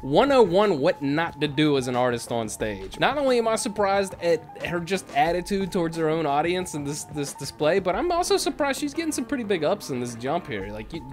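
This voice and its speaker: Animated, sarcastic man doing reaction commentary. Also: a little high, fairly quick, few pauses, faint music behind. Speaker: YouTube commentator. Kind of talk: casual mocking reaction commentary. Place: small home streaming room, indoors. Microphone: desk microphone on a boom arm.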